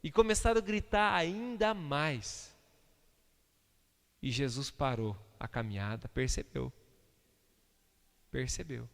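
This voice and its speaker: A man, preaching a sermon as pastor, swinging between loud outbursts and hushed asides. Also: mid-range voice. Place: church sanctuary. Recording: reverberant church hall.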